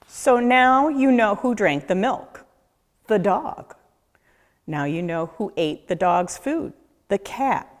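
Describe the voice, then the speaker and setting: A woman reading a children's picture book aloud as a nature educator, with a deliberate, questioning storyteller delivery. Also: mid-range voice, expressive. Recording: echoey room with long reverb.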